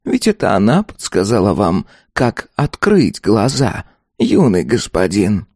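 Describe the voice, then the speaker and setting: A man voicing a tiny golden ghost servant who calmly and persistently needles his master, speaking in a hushed, drawn-out sing-song. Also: on the low side, slightly rough, dry recording, clean studio sound, voice pushed up, heavily acted. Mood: calmly needling. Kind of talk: audiobook character voice.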